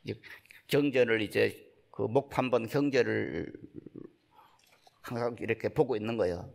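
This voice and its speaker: Older man, Buddhist monk with a Gyeongsang accent, gravelly voice, unhurried folksy sermon storytelling. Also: fairly low pitch. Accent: Gyeongsang Korean. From Gyeongsang province, Korea. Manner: folksy, unhurried storytelling, acting out quoted speech. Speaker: Buddhist monk giving a dharma talk.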